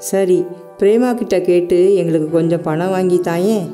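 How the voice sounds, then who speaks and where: A woman playing a tired, pleading mother with a very dark tone. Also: on the low side, normal speed, faint music behind, close to an everyday voice. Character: struggling mother, practical and tired. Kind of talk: radio drama acting.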